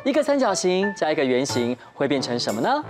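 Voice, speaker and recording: A man's voice: on the high side, very animated, fast. A young man with a Taiwanese Mandarin accent presenting a children's show, talking playfully and simply as if to toddlers. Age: young adult. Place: TV studio. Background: music.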